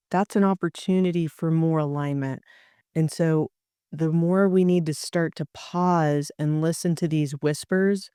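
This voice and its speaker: A woman speaks into a close podcast mic with a smooth, resonant voice and a very dry sound. She delivers a motivational talk as an organizational psychologist, pressing her points with emphasis. She builds them in repeated lists. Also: low voice, mellow, no echo. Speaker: organizational psychologist and career coach.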